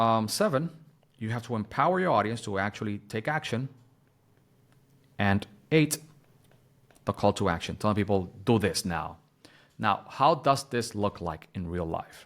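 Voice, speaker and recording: A man with a non-native accent, fairly low in pitch, at a moderate pace with lively intonation and long, frequent pauses. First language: not English. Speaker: online business coach. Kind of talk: tutorial. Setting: screen-share online course. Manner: casual, with filler words and self-corrections.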